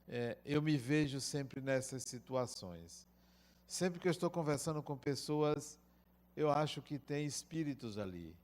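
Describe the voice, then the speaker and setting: A middle-aged man with a Brazilian Portuguese accent giving a lecture, telling personal stories in a reflective, unhurried way. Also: mid-range voice, darkish tone. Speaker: spiritist lecturer. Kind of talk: spoken lecture with personal anecdotes.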